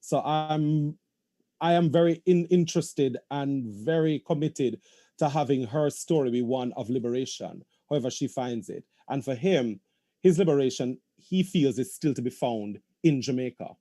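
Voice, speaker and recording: A man speaking thoughtfully on a video call, his tone mellow and dark and his pitch mid-range. He pauses and restarts often as he lays out his ideas as a playwright. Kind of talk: panel discussion.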